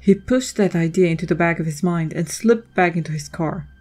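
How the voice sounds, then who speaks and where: A woman's voice: fairly low pitch, a little fast, a little mellow, slight background noise. A woman reading scripted, dramatic story narration as the narrator of an audio drama.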